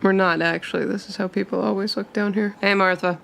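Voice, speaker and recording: A woman's voice: medium pitch, fairly even intonation, brisk, vocal fry, fairly bright tone, a little hiss or hum. A woman playing a down-on-his-luck male private investigator in a tabletop game, dry and offhand. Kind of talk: tabletop roleplay.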